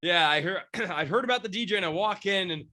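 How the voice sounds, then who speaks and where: A congested young man in his twenties, stuffed up from a cold, speaks briskly in a bright voice that sits high. He is a sports beat writer from near Seattle, Washington, hosting a casual sports podcast chat, rambling with frequent restarts and fillers.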